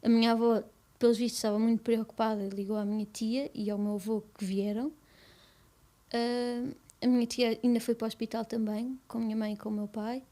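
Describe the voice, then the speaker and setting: A young woman guest with a European Portuguese accent speaks softly and haltingly in a personal interview, restarting often. Her voice is on the high side with little pitch movement.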